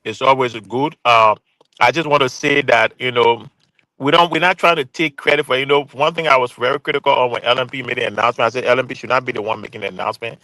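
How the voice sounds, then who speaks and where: A man in his forties talks quickly with a bright, forceful edge. He calls in from work as a show guest, pressing his points and repeating key phrases. The sound is dry and close. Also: mid-range voice, fairly even intonation, no room sound, low-quality recording. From Liberia. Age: 40s. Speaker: guest commentator. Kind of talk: earnest call-in commentary. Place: calling in remotely from his workplace.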